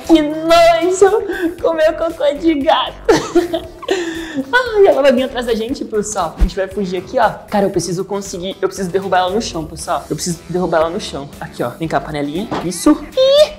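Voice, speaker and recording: A woman from Brazil giving playful, excitable let's-play commentary, giggling and talking straight to her viewers. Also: mid-range voice. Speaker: gaming YouTuber.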